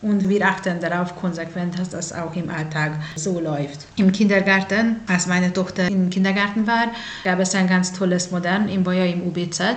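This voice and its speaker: A woman's medium-pitched, monotone, flat voice at a moderate pace with hardly any pauses, plus audible room echo and noticeable background noise. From Hungary, German-speaking minority. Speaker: parent. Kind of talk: interview.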